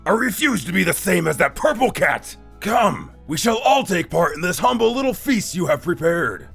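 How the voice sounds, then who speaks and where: Man voicing a gravelly, haughty god of war. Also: high-pitched, very animated, moderate pace, fairly bright tone, soft background music, full character voice. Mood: commanding. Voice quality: gravelly, raspy. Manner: pompous, commanding, formal speech. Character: haughty, short-tempered, battle-hungry god of war. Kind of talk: dramatic fan-story character acting.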